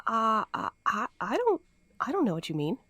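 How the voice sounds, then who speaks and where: An anxious, wry young woman sleuth in an audio drama. The voice is fairly high and very animated, hesitant yet talkative, recorded dry. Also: normal speed, dry recording, full character voice. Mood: flustered. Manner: hesitant, expressive.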